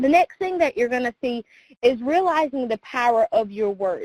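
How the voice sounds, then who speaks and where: A woman with a strong Southern US accent, high pitch and moderate pace, in a dry, close sound with no echo. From US South, North Carolina. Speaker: youth presenter. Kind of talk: webinar presentation.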